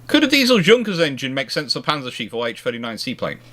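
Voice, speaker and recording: A man hosting a casual question and answer chat on naval history, talking haltingly and often circling back to rephrase. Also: mid-range voice, very animated, pushed and bright. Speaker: live Q&A host answering viewer questions.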